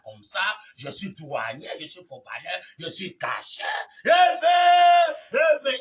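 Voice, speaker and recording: A man preaching a fiery sermon, shouting refrains and dropping to low mutters, with chanting, repeated phrases. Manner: shouts refrains, swings between loud cries and low mutters. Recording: voice heard from a distance from the mic.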